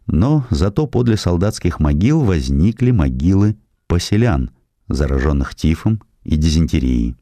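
Deep mellow male audiobook narrator. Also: no echo, studio quality. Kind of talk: scripted narration of historical essay.

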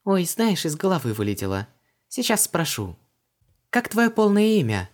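A man's voice: sing-song, normal speed. A man voicing a chirpy flustered young woman. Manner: high, bright, breathless.

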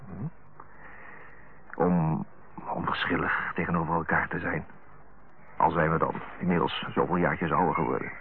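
A man's voice: a bass voice, steady tone, normal speed, pauses often, slight background noise. A male actor playing an earnest, affectionate middle-aged younger brother in a radio drama, speaking hesitantly and correcting himself as he searches for tactful, frank words. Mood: earnest, tender. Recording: tinny narrow-band old radio recording.

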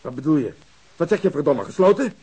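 A man acting a gruff, hot-tempered, impatient policeman in a radio drama. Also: fairly high pitch, big pitch swings, fast talker, mellow. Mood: furious. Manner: blustering, swearing, impatient. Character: gruff, hot-tempered policeman laid up under a nurse's care. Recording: hissy, noisy old radio recording.

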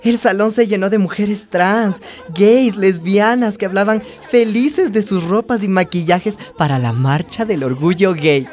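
A woman's voice: mid-range voice, measured pace, few pauses, a little mellow, natural voice. An actress playing a hopeful young trans woman from a small town, narrating her story earnestly in a radio drama. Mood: earnest, nostalgic. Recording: music bed behind the voice.

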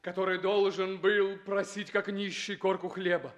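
An actor playing an ardent, proud young prince, declaiming theatrically in a 1960s recording of a stage comedy. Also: male voice, high-pitched, steady tone, normal speed, muffled recording, close to an everyday voice. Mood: pleading, proud. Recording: 1960s radio stage recording, audience behind.

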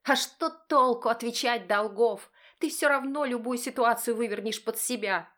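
A woman voicing a furious, hysterical wife who shrieks accusations in a raised, shrill voice. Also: normal speed, a bit bright, lightly acted. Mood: shrieking.

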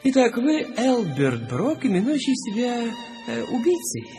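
High-voiced, probing woman psychiatrist. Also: big pitch swings, a little slow, dark tone, faint music behind. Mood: calm, probing. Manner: formal, questioning. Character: woman psychiatrist, polite, probing, slightly flustered professional. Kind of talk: radio drama acting.

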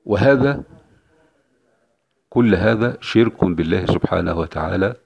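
Gravelly-voiced preacher, lo-fi. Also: male voice, low-pitched, lively intonation, normal speed, darkish tone. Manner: emphatic, repeats key phrases. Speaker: Islamic preacher. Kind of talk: religious lecture. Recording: dull lo-fi recording.

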